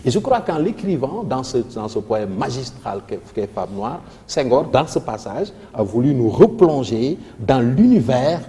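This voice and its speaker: Man, Senegalese French accent, literature teacher, dark mellow tone, echoey room. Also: medium pitch, sing-song. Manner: explanatory, declaims verse slowly. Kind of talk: televised revision lesson.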